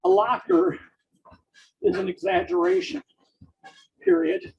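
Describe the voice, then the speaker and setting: Through lo-fi sound, someone with an extremely high, husky and gravelly voice reads out a story as dictation, keeping the intonation fairly even. They speak in short, faltering phrases and pronounce every punctuation mark.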